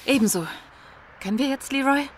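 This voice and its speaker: A woman's voice: high voice, fairly quick, slight background noise, lightly acted. A woman playing an impatient, curt girlfriend in an audio drama.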